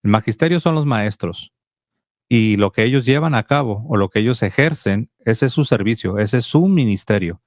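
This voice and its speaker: A man from Tijuana with a Mexican Spanish accent, hosting a Catholic call-in show and explaining doctrine in a steady teaching tone. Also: mid-range voice, normal speed, no room sound, studio quality. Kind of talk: apologetics call-in talk.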